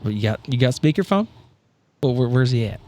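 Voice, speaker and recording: A man's voice: mid-range voice, very animated, brisk, dark tone. A man playing a tabletop game, improvising casually in his everyday voice with a wry, hesitant, rambling delivery.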